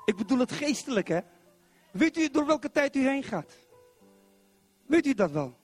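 A middle-aged man from Zwolle preaching a sermon in church, animated and constantly putting questions to the congregation. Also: extremely high pitch, moderate pace, soft background music. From Netherlands, Zwolle.

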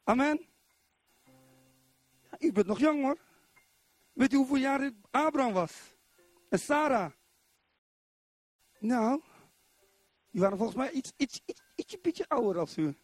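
Man, middle-aged, from Zwolle, preacher, sermon, very high voice, faint music behind. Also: measured pace, long pauses, dry recording. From Netherlands, Zwolle. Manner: animated, keeps asking the congregation questions. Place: church.

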